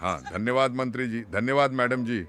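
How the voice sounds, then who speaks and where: A man's voice: medium pitch, a little fast, fairly bright tone, soft background music, lightly acted. A man voicing an eager, obsequious cartoon jeweller who repeats himself to please his customers. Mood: eager, fawning. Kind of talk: Hindi animated comedy dubbing.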